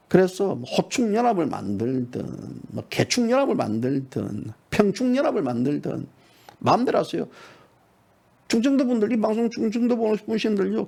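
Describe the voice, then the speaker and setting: Heated gravelly Korean political commentator man. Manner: heated, mocking, swings from low mutter to sudden high shouts.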